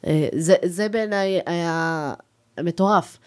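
A woman's voice: lowish voice, darkish tone. A woman in her thirties, a guest on a casual podcast interview, telling her story in an enthusiastic, chatty way. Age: 30s.

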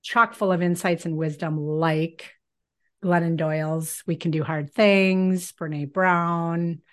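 Woman, 50s, Minnesota accent, slow unhurried pace, slightly low voice, chatty and laughing. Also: steady tone. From Minnesota, USA. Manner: warm, chatty, laughs often, restarts phrases. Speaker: podcast guest. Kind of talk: casual interview conversation.

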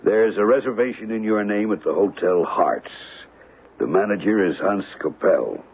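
A tinny, muffled old radio recording of an aging jewel merchant, very husky and raspy. He gives orders with measured, discreet authority, low and gravelly. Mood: businesslike. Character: aging, discreet, cautious male jewel dealer boss. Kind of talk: old radio drama acting.

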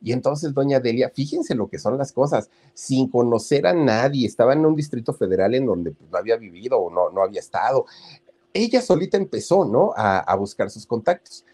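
A chatty storyteller with a Mexican accent who keeps turning to his viewers with little asides. His pitch moves a great deal, and his timbre stays dark and warm. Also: very animated, fairly quick, husky. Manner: chatty, addresses listeners with asides and tag questions. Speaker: storyteller host.

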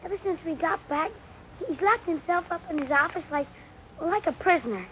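Anxious, very high-voiced young cowboy boy. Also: lively intonation, a little fast. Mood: worried. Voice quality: childlike. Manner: earnest exclamations, western slang. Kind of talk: 1950s radio drama acting. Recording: dull, noisy 1950s radio recording.

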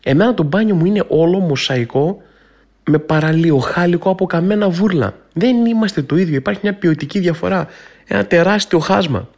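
A man's voice: high-pitched, vocal fry. A man hosting a podcast, telling a funny personal story in a comic monologue and acting out the voices in his head. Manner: animated storytelling, acts out inner voices. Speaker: podcast host.

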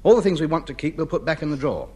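A man's voice: on the high side, lively intonation, racing, warm tone, breathy edge. An actor in a 1950s radio comedy playing a fussy, pompous man who hoards junk. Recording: old radio recording, noisy.

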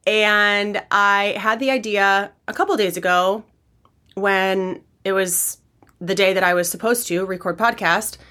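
Raspy-voiced woman, sick and hoarse. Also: medium pitch, unhurried, sharp tone. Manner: candid, rambling, frequent fillers. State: hoarse from illness. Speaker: podcast host and personal trainer. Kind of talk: casual solo podcast talk.

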